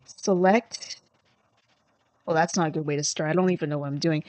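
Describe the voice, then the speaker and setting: Woman, streamer, low voice, dry close sound, rambling, self-deprecating, tiring voice. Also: steady tone, moderate pace, a little mellow, dry recording. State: voice starting to tire. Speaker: livestreamer. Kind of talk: casual livestream chat while coding.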